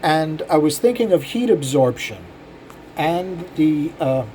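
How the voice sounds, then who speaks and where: A man's voice: a little high, animated, slow, dark tone, slight background noise. An older man, a cylinder head porter, casually talking shop to his viewers in a rambling, self-deprecating way with many fillers. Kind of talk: casual shop talk to camera.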